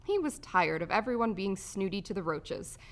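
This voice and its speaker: A woman's voice: medium pitch, expressive, normal speed, a bit bright. A woman working as a voice-over artist, reading scripted narration.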